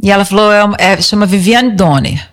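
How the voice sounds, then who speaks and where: A woman's voice: medium pitch, fairly quick, big-room sound. A woman with a Brazilian Portuguese accent, a singer telling stories casually and emphatically in an interview, often acting out quoted dialogue.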